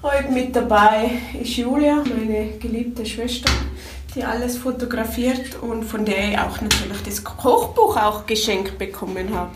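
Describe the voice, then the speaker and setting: Inside a small wooden garden sauna, a Tyrolean woman in her forties who runs a guesthouse talks casually to her vlog audience and laughs a lot. She speaks unhurriedly in a slightly high voice, set against soft background music, with roomy echo and the mic placed at a distance.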